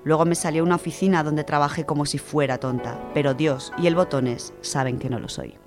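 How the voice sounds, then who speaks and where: A woman's voice: deep voice, steady tone, brisk, over loud music. A woman with an accent from Spain, chatting casually and reading verse as a radio contributor.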